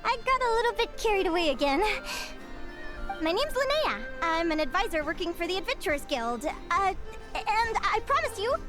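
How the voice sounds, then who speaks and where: A woman playing an eager young guild advisor, curious and upbeat, who lectures brightly and gushes with enthusiasm. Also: very high-pitched. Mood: gushing. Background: game music.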